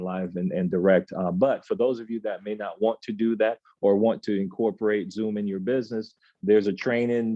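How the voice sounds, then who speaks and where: A man in his thirties hosting an office team meeting, reading out announcements in a relaxed, chatty way with plenty of filler sounds. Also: on the low side, no room sound, lo-fi sound. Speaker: agency meeting host. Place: office meeting room, indoors.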